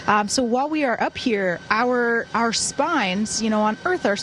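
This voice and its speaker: A woman's voice: a little high, a little slow, low-quality recording. A woman astronaut answering questions off the cuff in an upbeat, conversational way. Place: aboard a space station. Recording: faint steady background hum.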